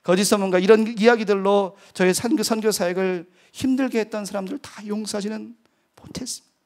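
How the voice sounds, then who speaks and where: Middle-aged male missionary preacher, high-pitched, earnest storyteller in a sermon testimony. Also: fairly even intonation, brisk, a little mellow.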